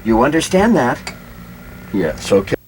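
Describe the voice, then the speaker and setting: A man's voice: mid-range voice, sing-song, a little slow, very noisy. A man chatting casually and giving short practical directions in a radio studio.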